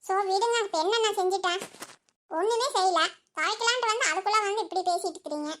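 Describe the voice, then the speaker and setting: Young wife in a cartoon done by a woman, super high, talks fast, soft protests. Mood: protesting. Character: young village wife, gentle, mildly protesting. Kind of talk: cartoon voice acting.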